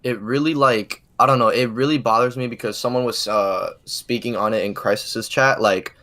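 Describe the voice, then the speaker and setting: Male co-host, average pitch, loose slangy delivery that stops and starts, casual opinion chat. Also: fairly even intonation, sharp tone. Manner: halting, slangy, heavy use of "like". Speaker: podcast co-host, video creator.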